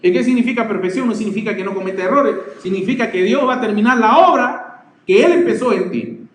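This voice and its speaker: A man's voice: high voice, brisk. A man with a Peruvian accent preaching a sermon, stressing his points and often asking whether the listeners see. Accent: Peruvian Spanish. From Peru. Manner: emphatic preaching, repeating words and asking ¿ve?. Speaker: pastor. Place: church hall. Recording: echoey church hall, faint ambience.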